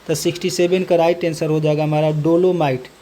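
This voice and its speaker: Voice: mid-range voice, little pitch movement, fairly quick, dark tone. A coaching teacher working through a multiple-choice test, reading each question twice and then announcing the answer and option in the same set phrase. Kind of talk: reading and solving quiz questions.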